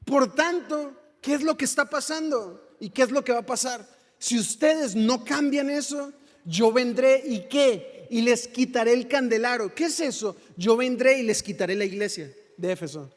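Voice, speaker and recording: High-voiced Mexican preacher in reverb. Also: male voice, normal speed. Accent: Mexican Spanish. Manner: fervent, asks the congregation rhetorical questions. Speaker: pastor. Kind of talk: sermon. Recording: long hall reverb.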